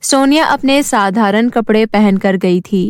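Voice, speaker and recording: A woman's voice: mid-range voice, unhurried, slight background noise. A woman storyteller reading scripted narration for a children's cartoon story.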